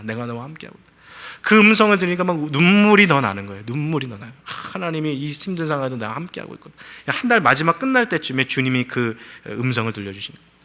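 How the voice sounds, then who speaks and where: A man's voice: mid-range voice, sharp tone. A middle-aged male pastor preaching a sermon, telling a story with acted-out quotes and rising to fervent pleas.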